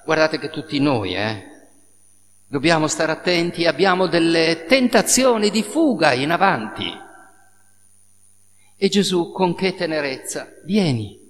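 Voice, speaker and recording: A male priest giving a sermon, telling the story in a lively way with spoken sound effects. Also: a little high, unhurried, pauses often. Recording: reverberant hall with faint noise.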